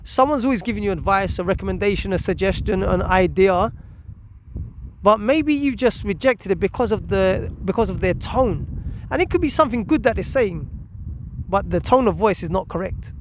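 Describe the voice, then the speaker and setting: With slight noise in the background, a parenting coach presents a video in a high, expressive voice at moderate speed. The man teaches directly, emphatically repeating key words and asking rhetorical questions.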